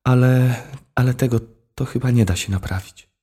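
A man's voice: mid-range voice, fairly even intonation, normal speed, warm tone, slightly rough, voice pushed up, close to an everyday voice. A man reading a storybook, voicing a timid, guilty schoolgirl who talks hesitantly in a raised voice. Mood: anxious. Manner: hesitant, faltering. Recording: long hall reverb.

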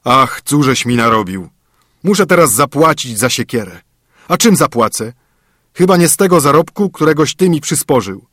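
A grumbling older father, loud and gruff, scolding his son in a husky voice, as a storyteller puts him on. The pitch swings widely. The recording is dry and close. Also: sing-song, moderate pace, no echo. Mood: dismayed. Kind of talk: storybook reading.

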